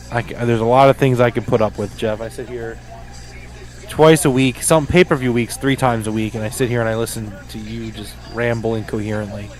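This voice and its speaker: A man's voice: mid-range voice, rough recording. A married man co-hosting a live reaction show, talking emphatically and repeating his refusals in exasperation. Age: adult, married. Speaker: podcast co-host.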